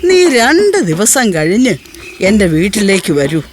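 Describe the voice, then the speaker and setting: A woman's voice: mid-range voice, very animated, measured pace. A woman voicing a wily, fearful old village priest, grandfatherly and placating, in a children's cartoon story.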